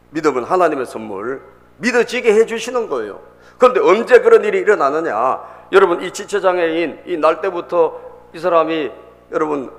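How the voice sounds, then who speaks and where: A man's voice: on the high side, fairly bright tone. A male pastor delivering an emphatic sermon, repeating phrases and calling out to the congregation in a church sanctuary. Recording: long reverb in a church hall.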